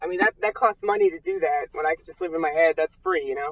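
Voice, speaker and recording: The sound is dry with no echo, with light background noise behind it. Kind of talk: casual vlog chat. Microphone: phone near.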